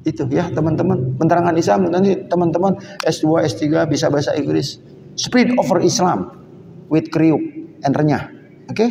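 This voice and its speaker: A gravelly, fairly high-voiced man delivers an animated sermon. He jumps between loud emphasis and quiet asides. He is recorded in a reverberant mosque hall. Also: normal speed, noisy background. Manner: lively, switching languages, shifting between shouts and low asides. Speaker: preacher. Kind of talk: Islamic sermon.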